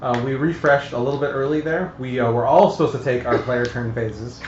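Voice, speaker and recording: A man of medium pitch talks casually through board game rules, often stumbling and starting over. The recording is dull and echoey, with faint noise behind him. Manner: halting, flustered delivery with repeated false starts. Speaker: host explaining game rules. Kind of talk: casual live tabletop stream chat. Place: echoey room with several mic stands. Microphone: stand mic.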